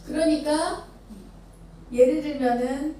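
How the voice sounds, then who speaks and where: A woman's voice: high-pitched, fairly even intonation, slow pace, mellow. A Buddhist nun from Chungcheong Province tells a story during a sermon. She asks the listeners questions as she goes. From Chungcheong Province, Korea. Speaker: Buddhist nun giving a dharma talk. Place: temple dharma hall with an audience. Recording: echoey hall from far off, faint noise.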